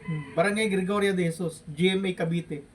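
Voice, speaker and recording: A man from the Philippines ranting in a vlog, taunting a rival with laughs and drawn-out hums. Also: sits high. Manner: mocking, provoking, with frequent laughs and drawn-out hums. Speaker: vlogger. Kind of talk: taunting livestream rant. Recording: distant mic with faint background noise.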